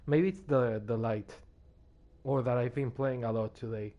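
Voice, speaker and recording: A man's voice: medium pitch, steady tone, normal speed, dark tone, lo-fi sound. A tired man streaming a game, losing his voice and rambling as he plays, with faint music behind him. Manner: rambling, restarts when moved. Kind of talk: casual gameplay commentary.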